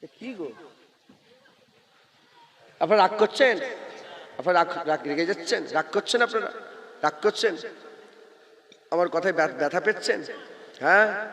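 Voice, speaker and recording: A man preaching a sermon to a crowd, asking rhetorical questions, calling for responses and chanting Arabic verses. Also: high-pitched. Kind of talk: sermon at a religious gathering. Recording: echoey hall-like reverb from loudspeakers.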